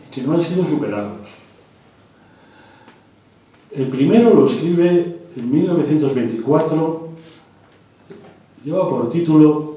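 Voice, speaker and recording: A man's voice: mid-range voice, dark tone, lo-fi sound. Man lecturing in an echoey hall. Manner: hesitant, with repeated words and restarts. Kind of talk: live literary lecture. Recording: echoey hall, mic far off.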